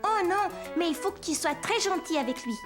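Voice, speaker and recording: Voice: extremely high pitch, animated, brisk. An actor voicing a friendly, caring young boy who explains things simply in a children's cartoon. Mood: friendly, instructive. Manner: childlike, plain helpful explaining. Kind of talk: French children's cartoon dialogue. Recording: children's music underneath.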